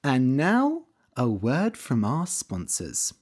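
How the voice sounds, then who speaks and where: Lively, careful podcast host for learners. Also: mid-range voice. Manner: spells out web addresses letter by letter; careful and deliberate. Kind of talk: slow, clear podcast talk for English learners.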